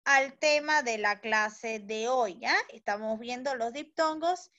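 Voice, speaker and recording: A woman with a high voice teaches a recorded lesson for children at an unhurried, deliberate pace. She stretches out syllables and checks understanding with short questions. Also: bright, forceful tone, dull audio.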